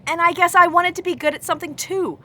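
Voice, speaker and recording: An actress playing a devoted, wounded wife in an audio drama, speaking with emotional pleading. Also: female voice, very high-pitched, steady tone, fast talker, bright, forceful tone. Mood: earnest, pleading.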